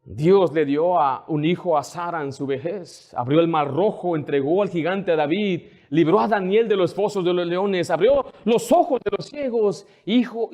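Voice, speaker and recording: Man, pastor, sermon, high voice, fervent, emphatic repetition. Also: darkish tone.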